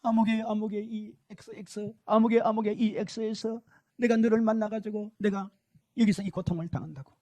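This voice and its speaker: A man's voice: sits high, steady tone, normal speed, mellow, natural voice. A man voicing a damned woman in hell who wails, sobs and begs for mercy. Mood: wailing regret. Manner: wailing, sobbing, pleading.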